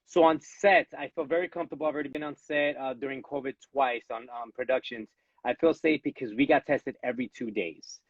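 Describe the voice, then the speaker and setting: A man with a mid-range, breathy-edged voice talks fairly quickly, and the recording has no room sound and its highs cut off. Born in Los Angeles and brought up in Miami by Cuban parents, he carries a Latino, Cuban-American accent. He is an at-home guest in a casual live interview, earnestly recounting his acting career and often restarting sentences with repeated words.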